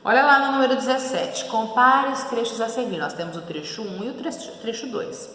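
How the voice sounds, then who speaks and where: Teacher in an echoey room. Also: female voice, on the high side, fairly quick, sharp tone. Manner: reads text aloud and acts out the interjections with changing tone; checks in with "né?" and "tá?". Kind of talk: recorded Portuguese grammar lesson. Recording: echoey room, long reverb.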